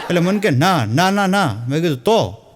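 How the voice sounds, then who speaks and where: A man's voice: high-pitched, normal speed, over a noisy crowd, very noisy. A man telling stand-up jokes, playing a stammering man in the dialogue. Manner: deadpan setups, mimics a stammer in dialogue. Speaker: stand-up comedian. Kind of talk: live stand-up storytelling.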